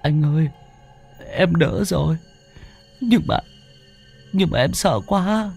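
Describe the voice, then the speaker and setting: A man's voice: on the low side, sing-song, moderate pace, breathy edge, faint music behind, full character voice. A man voicing a frightened young drunk man who stammers and cries out for help. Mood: shaken.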